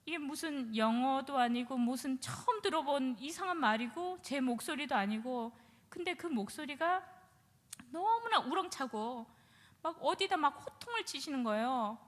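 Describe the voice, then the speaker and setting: A woman giving a personal testimony as a former shaman, telling her story in an animated way and acting out her own past words. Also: high voice, normal speed. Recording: long hall reverb.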